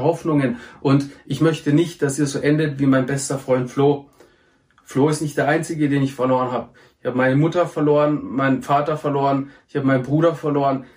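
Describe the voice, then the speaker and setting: A man's voice: a little high, a little mellow. A middle-aged man who speaks bluntly and earnestly to young people about addiction, swearing freely and repeating phrases for emphasis. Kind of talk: direct motivational address to young people.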